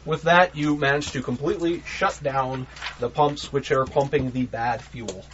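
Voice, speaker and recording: A man's voice: mid-range voice, moderate pace, fairly bright tone. Man running a tabletop game, muffled recording. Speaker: game master. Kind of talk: narrating a tabletop role-playing game, conversational. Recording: dull lo-fi recording, background noise.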